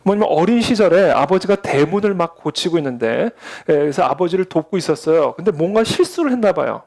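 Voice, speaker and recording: A man's voice: on the high side, lively intonation, fairly quick, a little mellow. A man preaching a Sunday sermon as pastor, telling stories and acting out the voices of the people in them. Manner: storytelling, acts out quoted voices.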